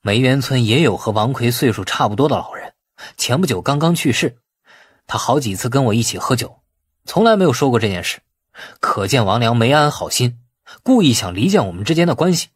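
A man's voice: medium pitch, animated, a little fast, slightly rough, no echo. A man voicing a deferential, placating nephew in an audiobook drama. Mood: placating, explaining. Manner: explaining, placating.

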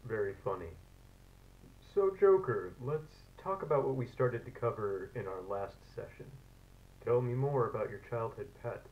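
An actor playing an earnest, patient psychiatrist with a formal, measured, clinical manner in an analog horror drama. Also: male voice, mid-range voice, expressive, natural voice. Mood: stern, clinical. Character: earnest, patient male psychiatrist interviewing an inmate. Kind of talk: scripted analog horror acting. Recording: muffled, noisy old tape.

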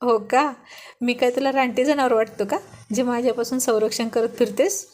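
A woman's voice: fairly high pitch, steady tone, moderate pace, a little mellow, close to an everyday voice. A woman reading a storybook, voicing a teasing, playful young husband in a bantering, mock-stern way.

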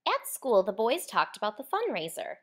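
Lively woman reading a picture book. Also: a little high, normal speed. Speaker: author reading own book aloud. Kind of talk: expressive children's picture book read-aloud.

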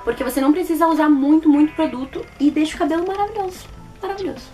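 A woman in her twenties with a Brazilian accent, chatting casually to camera as a beauty vlogger, expressive and repeating words for emphasis. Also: sits high, racing, faint music behind. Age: 20s. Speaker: beauty vlogger reviewing products. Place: small plain indoor room.

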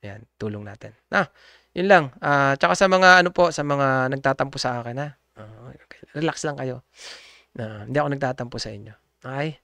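A man's voice: medium pitch, a little fast, gravelly, bright, forceful tone, no echo, studio quality. A man speaking casually and politely to viewers, rambling with many hesitations and fillers, often laughing. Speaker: community group member addressing viewers. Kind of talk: casual unscripted monologue.

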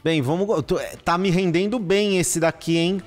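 A man, commentating a live gaming stream, excitable and exclaiming and swearing at what he gets. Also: sits high, normal speed. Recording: long reverb with faint music behind. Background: faint background music.

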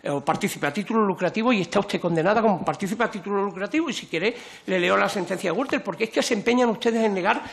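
A man's voice: high-pitched, lively intonation, fast talker, vocal fry. A man questioning a witness in a parliamentary committee hearing, insistent and emphatic, leaning close to a desk microphone.

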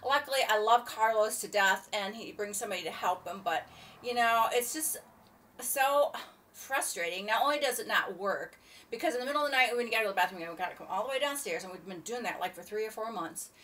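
A woman's voice: medium pitch, quick pace, a bit bright. An older woman chatting to camera in her home kitchen, rambling and complaining. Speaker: vlogger. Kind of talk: casual chat to camera. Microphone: laptop webcam from a few feet away. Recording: distant laptop mic, faint room noise.

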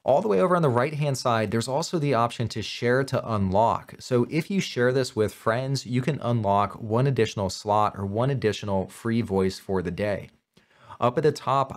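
A man in his thirties giving an upbeat, clearly explained software tutorial from a home office. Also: mid-range voice, normal speed. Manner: upbeat, clear instructional delivery. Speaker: tech tutorial host. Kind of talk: scripted tutorial narration.

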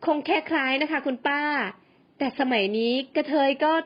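Woman playing a sweet-sounding, snoopy young lady, high and polite, dull lo-fi sound. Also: steady tone, normal speed, close to an everyday voice. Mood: insistent. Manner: polite, probing. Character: prim, nosy young woman.

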